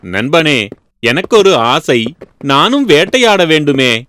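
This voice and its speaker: A man's voice: fairly high pitch, very animated, slow pace, fairly bright tone, dry recording, studio quality, exaggerated voice. A man voicing a naive, trusting donkey in a children's cartoon fable, guileless and plaintive. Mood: wishful.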